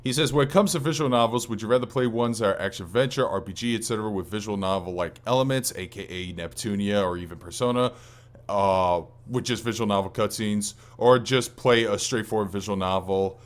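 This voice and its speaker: A gaming podcast host with a fairly low voice talks fairly quickly in casual conversation. He rambles, hesitates, and regularly restarts or corrects sentences midway.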